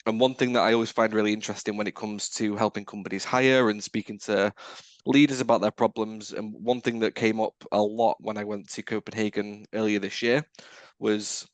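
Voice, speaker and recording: Low-voiced man hosting a roundtable. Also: flat delivery, fairly quick, no echo. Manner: friendly, rambling framing of questions. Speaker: podcast host, recruiter. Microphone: video call.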